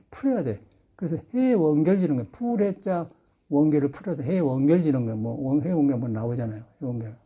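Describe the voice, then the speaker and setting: A man's voice: on the high side, warm tone. An older man, a Buddhist monk, giving a folksy Sunday sermon full of anecdotes and laughter. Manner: chatty storytelling with laughter. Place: temple dharma hall.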